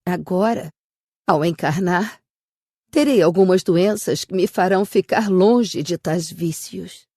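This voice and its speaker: Woman voicing a husky, creaky, remorseful spirit lady. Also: on the low side, slow, warm tone, dry recording, clean studio sound. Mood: remorseful, resigned. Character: remorseful spirit lady awaiting reincarnation, burdened by past vices. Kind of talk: dramatized audiobook narration.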